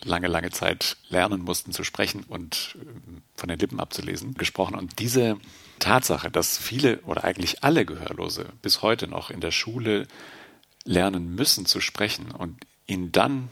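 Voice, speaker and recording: Deep gravelly man, calm explainer. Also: no echo. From Germany. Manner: calm, explanatory, thoughtful pauses. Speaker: sign language interpreter. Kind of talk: interview conversation.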